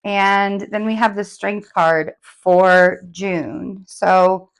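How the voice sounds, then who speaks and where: A hoarse woman giving a casual, chatty tarot forecast, rambling with many fillers as she recovers from laryngitis. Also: mid-range voice, poor audio. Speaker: tarot reader.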